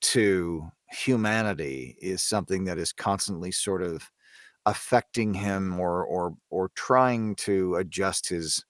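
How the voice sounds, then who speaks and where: A man chatting casually as a podcast panelist, halting and repeating words as he searches for his thought. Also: deep voice, no echo, clean studio sound. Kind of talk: casual interview chat.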